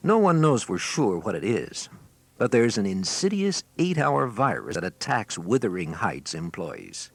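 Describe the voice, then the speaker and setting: A man's voice: fairly low pitch, very animated, a little slow, vocal fry. A man narrating a scripted training filmstrip in a wry, theatrical storytelling manner, recorded on an old 1980s cassette. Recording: noisy 1980s cassette with clicks.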